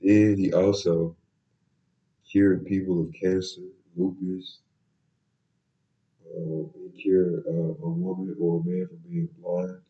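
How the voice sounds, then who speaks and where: A young man, stuffed up and nasal from a cold, telling stories in a relaxed, rambling podcast chat full of slang. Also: low voice, takes it slowly, pauses often, highs cut off. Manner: laid-back, rambling storytelling with slang. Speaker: podcast host. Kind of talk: casual solo podcast talk.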